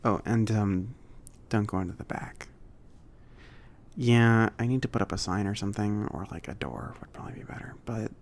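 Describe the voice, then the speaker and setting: A man playing a friendly, slightly awkward mage shopkeeper in a soft-spoken, hesitant, casual ASMR roleplay. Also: fairly low pitch, normal speed, gravelly. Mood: accommodating, rambling. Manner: hesitant, rambling, accommodating. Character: friendly, slightly awkward male mage running a magic shop.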